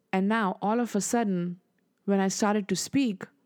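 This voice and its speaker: A woman with a non-native accent talks at a fairly slow pace with fairly even intonation. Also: very clean recording, silent background. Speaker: relationship coach and podcast host. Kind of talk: motivational monologue. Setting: partly a replayed Facebook Live video. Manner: warm, gentle.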